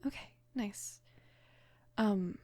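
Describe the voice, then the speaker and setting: A woman voicing a young mafia boss's daughter, gentle, protective and flustered, in a soft, hesitant near-whisper for an ASMR romance roleplay. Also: mid-range voice, drawn-out words, no room sound. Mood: caring, shy.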